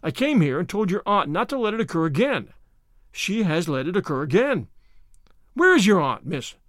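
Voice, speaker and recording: A man's voice: sits high, sing-song, normal speed, a bit bright, no room sound, studio quality. A man doing a spluttering, furious stout farmer. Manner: spluttering, blustering. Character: irate stout bald middle-aged male farmer.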